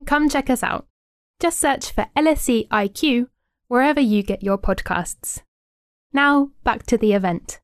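Woman announcer, upbeat scripted promo, higher voice, dry close sound. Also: a little slow, no room sound.

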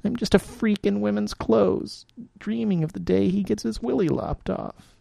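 A weary trans woman, tearful and self-mocking, as a male reader puts her on in a raised voice. The tone stays husky and gravelly, close and dry. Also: moderate pace, dark tone, dry recording, full character voice. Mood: miserable. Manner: raised pitch, tearful, wry.

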